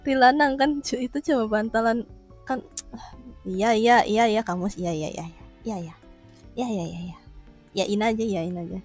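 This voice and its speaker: A woman's voice: a little high, moderate pace, pauses often, soft background music. A woman live streamer chatting casually with her viewers, playful and teasing, laughing often and throwing in little roars. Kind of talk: casual livestream chat reading viewer comments.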